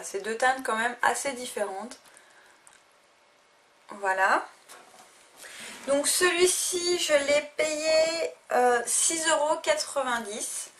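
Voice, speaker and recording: A woman's voice: on the high side, a bit bright. A young woman casually reviewing makeup she bought, talking hesitantly with many fillers and restarts. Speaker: beauty vlogger. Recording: faint noise, a little distant from the mic.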